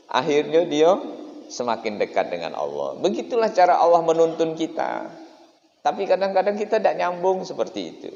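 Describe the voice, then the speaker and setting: A man giving a dawn mosque sermon, telling stories lively with acted voices. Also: on the high side, creaky. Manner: lively storytelling with acted voices and local dialect. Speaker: preacher. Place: mosque hall. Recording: echoey hall, dull lo-fi sound.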